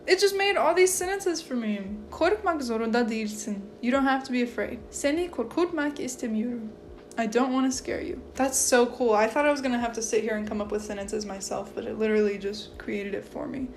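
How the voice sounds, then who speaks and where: A young woman in her twenties chatting to camera at home, animated and excitable, full of filler words. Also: a little high, a little hiss or hum. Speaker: language-learning vlogger. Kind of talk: casual chat to camera. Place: living room at home.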